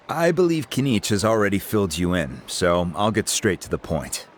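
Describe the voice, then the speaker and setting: An actor playing a dignified, earnest older tribal chief in a video game, speaking formally and solemnly. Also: male voice, fairly low pitch, sing-song, moderate pace, slight background noise. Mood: gracious, welcoming.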